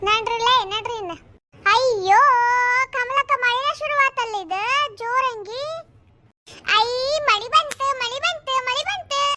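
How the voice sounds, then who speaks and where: Shrill, bright cartoon village gossips with a North Karnataka accent, quick scolding banter. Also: female voice, slight background noise, heavily acted. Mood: bickering. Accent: North Karnataka Kannada. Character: gossipy village women, bickering, adult. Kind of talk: cartoon comedy dialogue.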